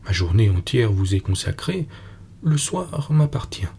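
A man reading the lines of a calm, guarded woman governess called a fairy, in a slow, low, gravelly voice. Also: slight background noise, exaggerated voice. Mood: calm, secretive. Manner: tranquil, guarded, gently firm.

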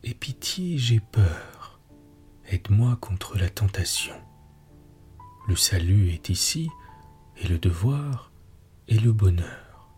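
A devoted, forgiving woman voiced by a man speaks in a hushed, breathy whisper, in whispered role-play. Her tone stays low and dark, slow and intimate, like a storybook confession. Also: lively intonation, soft background music. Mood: pleading. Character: tender forgiving woman, devoted, soft-spoken.

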